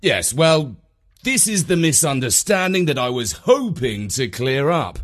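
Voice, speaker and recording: A man playing a well-meaning, awkwardly diplomatic gentleman in a storybook, polite, earnest and emphatic. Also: medium pitch, sing-song, measured pace, voice pushed up. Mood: apologetic, earnest.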